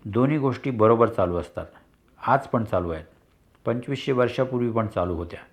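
A man giving a spiritual discourse in a measured way, repeating phrases for emphasis. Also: medium pitch. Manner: measured, repetitive rhetorical phrasing. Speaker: spiritual teacher. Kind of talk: dharma discourse.

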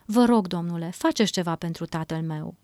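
A woman's voice: fairly low pitch, darkish tone, dry recording, lightly acted. Woman reading an earnest, pleading young man, dry close sound.

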